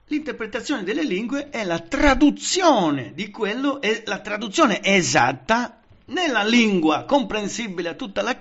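With a high voice and the highs cut off in the recording, a man preaches a Pentecostal Bible study. He is lively, emphatic and engaging, with frequent fillers and restarts, and he keeps checking that listeners follow by asking "vedete?" and "capite?"

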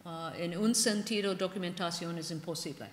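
An older woman whose first language is English, giving an academic lecture in halting speech with frequent "ah" and "ok". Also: fairly low pitch. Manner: halting, frequent "ah" and "ok", gestures widely. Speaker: linguist giving a conference talk. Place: large ornate conference hall. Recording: echoey hall with long reverb.

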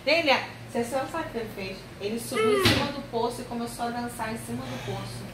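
A young woman telling a family story at home, animated and acting out what others said. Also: a little high, fast talker. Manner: animated, acts out quoted voices. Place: living room indoors. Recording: roomy echo with loud background noise.

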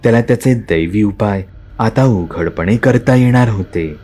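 Low-voiced man narrating a horror story. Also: unhurried, mellow. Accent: Marathi.

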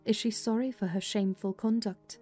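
A woman's voice: mid-range voice, steady tone, a little fast, dark tone, faint music behind, close to an everyday voice. A woman voicing a dry, disapproving female servant in a dramatised classic novel, blunt and sceptical. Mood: dry, sulky. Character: dry, disapproving female servant questioning her young mistress.

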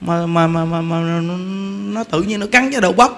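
A man with a Southern Vietnamese accent giving a humorous Buddhist sermon, telling a story with lively repetition and frequent laughter. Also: a little high, normal speed. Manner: animated storytelling, repeats words, laughs often. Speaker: Buddhist preacher. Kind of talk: humorous dharma talk.

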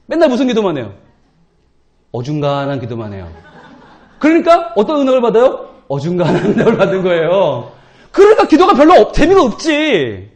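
A male pastor preaching at a church prayer meeting, animated and humorous, acting out people's inner voices. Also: very high-pitched. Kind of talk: sermon.

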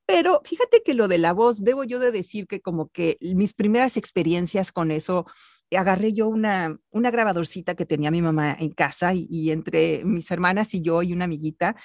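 A woman's voice: on the low side, moderate pace, dry recording, clean studio sound. A middle-aged woman from Mexico City, born in Italy, telling her story as an interview guest over a video call. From born in Italy, raised in Mexico City. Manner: animated, gestures while telling stories. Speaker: guest, actress and voice artist. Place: home room with bookshelf.

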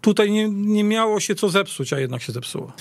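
A man in a casual sports discussion as a panelist, halting and repeating words mid-sentence, recorded in a radio studio. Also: high voice, expressive, creaky, dry recording. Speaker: football podcast panelist.

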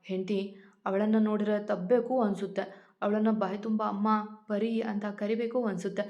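A woman's voice: mid-range voice, flat delivery, normal speed, dark tone, highs cut off, close to an everyday voice. A woman voicing a tearful, pleading young husband. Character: loving emotional young husband.

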